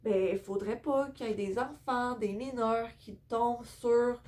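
A young woman with a Québécois French accent, from Quebec, casually presents a book haul in her home vlog, set in an indoor room with bookshelves. Her voice is on the high side and darkish, with fairly even intonation and a measured pace. She sounds a little tired and hesitant, sprinkling in many fillers.

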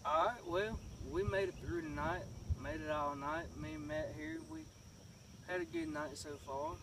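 High-voiced man, distant phone mic. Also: animated, normal speed. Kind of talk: casual outdoor vlog narration. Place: riverbank outdoors. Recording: distant phone mic, faint outdoor noise.

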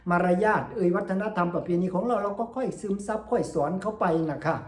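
A woman's voice: mid-range voice, expressive, fast. Chatty vlogger woman in a roomy room. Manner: chatty, sprinkles polite particles, moralizing. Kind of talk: casual vlog commentary. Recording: roomy echo.

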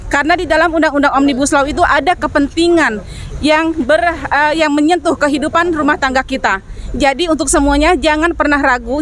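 Lady activist, high voice, outside, urging everyone along in short repeated phrases. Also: a bit bright. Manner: exhorting, builds points in short repeated phrases. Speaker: activist, rally spokeswoman. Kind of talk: informal speech to camera urging people to join a protest. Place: outdoors under trees by parked vehicles.

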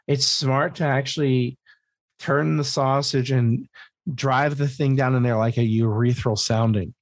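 A man's voice: medium pitch, steady tone, unhurried, dry recording. An American man co-hosting a podcast in casual comedic chat, swearing freely and repeating words emphatically as he explains. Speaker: podcast co-host.

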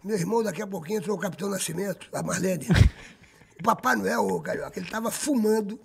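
A man telling a wild anecdote on a podcast, excitable and profane, repeating his phrases. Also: sits high, quick pace, vocal fry. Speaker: guest storyteller. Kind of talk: casual podcast chat, animated storytelling. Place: podcast studio.

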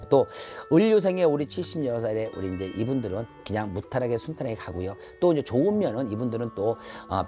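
A man's voice: mid-range voice, warm tone. A man in his fifties giving an earnest, advisory zodiac fortune reading to camera as a shaman, repeating his phrases as he goes. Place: indoor shrine room. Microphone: lapel mic. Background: background music.

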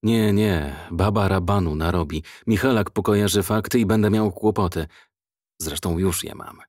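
A man's voice: low-pitched, moderate pace, a little mellow, dry recording, studio quality. A male audiobook narrator voicing a scheming, hot-tempered man on the run, wheedling aloud and muttering to himself.

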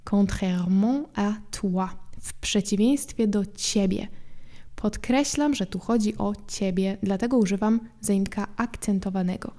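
A woman hosts a podcast lesson in a calm, explanatory way. Her voice is soft and mellow, and she repeats each word slowly so listeners can follow. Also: mid-range voice. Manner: patient, repeats French words slowly for practice. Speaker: French teacher and podcast host.

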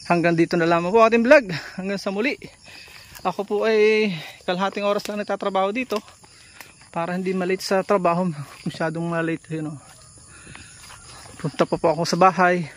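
A man's voice: high voice, steady tone, a little fast, long pauses. A man chatting instructively to viewers in a casual farm vlog, recorded outdoors on a handheld phone. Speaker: farmer and vlogger. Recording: outdoor recording with clear insect and ambient noise. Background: insects and outdoor ambience.

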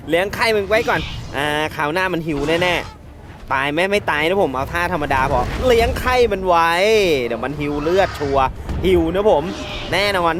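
A man giving excitable, laughter-filled commentary while playing a mobile game, taunting his opponents as he goes. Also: on the high side, normal speed, background noise. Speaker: gaming channel host.

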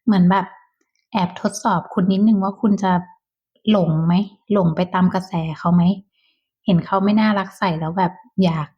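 A woman reads tarot cards for her viewers in a soft, chatty voice, slipping into whispered asides. Her tone is mellow and breathy. The sound is dull and lo-fi. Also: medium pitch, steady tone, normal speed. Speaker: tarot reader. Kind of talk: casual tarot reading to viewers.

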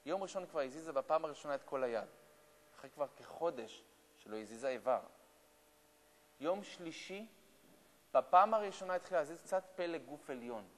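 A man's voice: a little high, animated, long pauses. A man, a rabbi, telling a story as a sermon in a lecture hall, exhorting dramatically and acting out the dialogue. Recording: long echo of a lecture hall.

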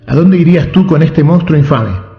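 A man's voice: medium pitch, lively intonation, normal speed, lightly acted. A man voicing an indignant, commanding old king in a storybook reading. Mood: outraged. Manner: commanding, exclaiming. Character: indignant old male king, imperious and demanding. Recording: echoey, reverberant, slightly dull.

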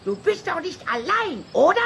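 A woman's voice: very high voice, sing-song, normal speed, creaky, a bit bright, a little hiss or hum, full character voice. A woman playing a stern, menacing vampire aunt in a children's radio play, suspicious and commanding.

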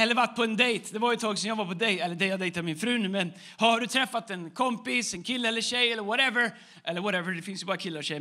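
A man's voice: very high-pitched, sharp tone. A man preaching a sermon as the church's pastor, in a conversational way, acting out short everyday dialogues.

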